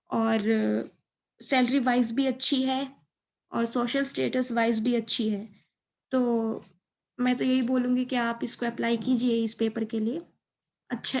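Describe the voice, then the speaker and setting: A woman giving an informal exam-preparation explainer, mixing in English terms and often checking in with a short tag phrase. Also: fairly high pitch. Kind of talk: informal explainer lesson over slides.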